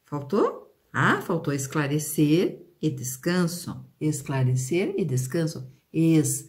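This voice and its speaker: Brazilian woman teacher for a kids' video lesson; lowish, very expressive pitch, unhurried, stretches words out, asks the class questions. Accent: Brazilian Portuguese. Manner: slow, drawn-out pronunciation of example words; questions and prompts aimed at pupils.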